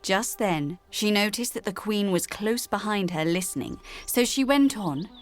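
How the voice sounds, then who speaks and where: Woman narrating, middle-pitched. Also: animated, unhurried. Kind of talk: scripted narration for a drama reel.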